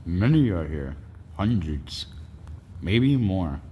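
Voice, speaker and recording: A man voicing a wounded, dying alien, solemn and wise, speaking in slow, grave, halting warnings for a storybook. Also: low voice, big pitch swings, dark tone, in a large hall, a little hiss or hum, heavily acted.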